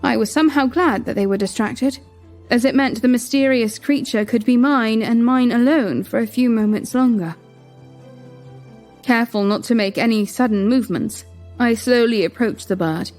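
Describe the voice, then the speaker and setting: A woman narrating a palace story in first person, gentle and wistful, over soft music. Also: a little high, moderate pace. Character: queen narrating her own story.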